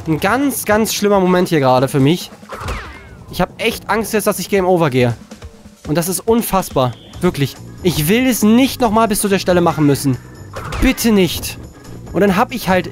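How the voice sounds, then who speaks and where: Man, let's play commentary, frustrated and self-calming, slightly high voice, faint music behind. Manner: frustrated, swears, keeps talking himself calm. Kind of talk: live gameplay commentary. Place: indoors at a desk.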